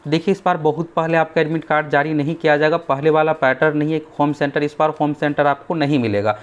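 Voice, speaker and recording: A young man with a slightly high voice briefs exam candidates as their coaching teacher. He talks straight to the students, keeps telling them to look at each point, and pushes his course. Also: steady tone, quick pace, smooth, lo-fi sound. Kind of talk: explainer video on exam updates.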